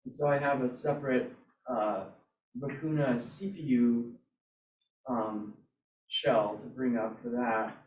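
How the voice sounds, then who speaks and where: Man demoing software, roomy distant sound. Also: medium pitch, fairly even intonation. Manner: halting, thinking aloud. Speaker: presenter at a robotics club meetup. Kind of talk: casual live software demo. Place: indoor hybrid club meeting, away from mic. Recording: roomy, distant, dull meeting-room sound.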